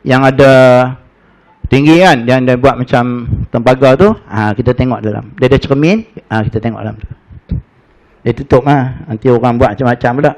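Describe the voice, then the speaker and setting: A man with a Malaysian Malay accent, teaching a Hajj preparation class in a lively storytelling way, dropping in frequent "ha" fillers. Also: mid-range voice, brisk. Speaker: religious teacher. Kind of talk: Hajj course lecture.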